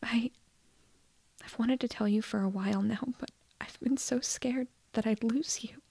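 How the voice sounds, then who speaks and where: Shy lovestruck teen girl played by a woman for ASMR roleplay: soft, close and dry, breathy whisper with some creak, nervous delivery. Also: a little high, fairly even intonation, no echo. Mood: nervous, earnest. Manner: hesitant, halting, tender. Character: shy, nervous teenage girl confessing love to best friend.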